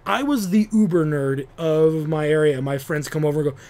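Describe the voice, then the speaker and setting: A man's voice: a little high, moderate pace, a little mellow. A man, host of a retro game talk show, rambling in a casual monologue full of swearing and restarts. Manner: rambling, profane, restarts often.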